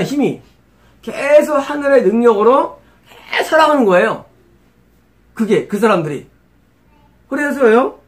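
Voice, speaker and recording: High-voiced Korean pastor preaching. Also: male voice. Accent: Korean-accented English words. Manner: rhetorical questions, repeats key phrases. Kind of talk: expository sermon.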